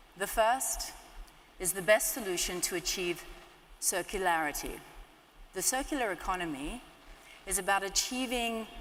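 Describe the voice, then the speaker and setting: Speaking at a medium pitch and moderate pace, a woman uses lively intonation and takes long, frequent pauses. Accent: Australian. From Australia. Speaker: award presenter. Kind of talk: speech announcing awards. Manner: halting, stumbles over words.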